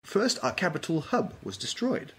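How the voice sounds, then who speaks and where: A man voicing a towering, grave robot admiral with a slow, formal, portentous manner. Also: on the high side, wildly swooping pitch, a bit bright, pitched above the performer's own voice. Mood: solemn. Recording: noisy table read room.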